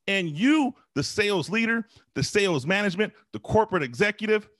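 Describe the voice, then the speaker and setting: An American man in his forties giving a direct motivational sales talk to camera, emphatic and deliberate, repeating phrases for stress, on a close desk mic. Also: high-pitched, fairly bright tone, no echo. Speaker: host, sales coach. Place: small home office, indoors. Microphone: close desk microphone.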